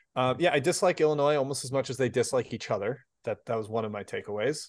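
He has an unremarkable speaking voice at a medium pitch, and his intonation is lively. The man is heard against a quiet background. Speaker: podcast host. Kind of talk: casual sports betting chat. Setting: live show.

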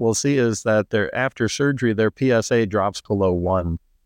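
A man with an American accent and a normal speaking voice talks at a moderate pace, his medium pitch showing ordinary variation. The sound is dry and close with no echo, over a quiet background. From Arizona. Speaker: urologist. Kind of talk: interview.

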